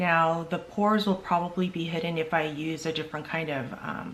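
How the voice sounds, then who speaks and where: Noticeable background noise and audible room echo accompany a voice whose pitch moves in an ordinary way. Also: woman. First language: not English. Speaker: beauty vlogger. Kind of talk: product review vlog. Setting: indoors at home. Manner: casual, with hesitations.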